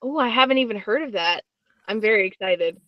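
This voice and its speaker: A woman's voice: medium pitch, expressive, a little fast, dry recording. A woman guest hosting a podcast in casual conversation, recorded over a slightly lo-fi group voice chat.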